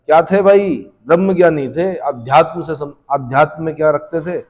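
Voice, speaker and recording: Prepping a class for exams, a male history teacher keeps throwing out questions and then answering them. His voice is a little high and slightly mellow, his pace moderate, and the room echoes with long reverb.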